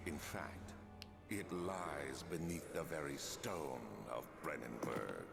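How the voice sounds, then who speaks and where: An actor playing a grave, formal guide in a gothic horror game, with a deep gravelly voice and a haughty, overacted anime-dub manner. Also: male voice, expressive, takes it slowly, fairly bright tone, no room sound, soft background music, heavily acted.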